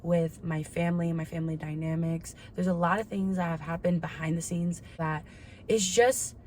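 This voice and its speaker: A woman's voice: fairly low pitch, fairly even intonation, normal speed, darkish tone. A woman in her twenties talking candidly in a casual confessional chat, slangy and swearing freely. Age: 20s. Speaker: vlogger. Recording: clear background ambient noise.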